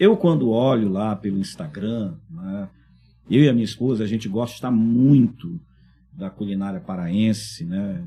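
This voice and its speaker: Speaking at a fairly slow pace, a man uses lively intonation in a fairly low voice. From Pará, Brazil. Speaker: podcast host, radio broadcaster. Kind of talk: interview.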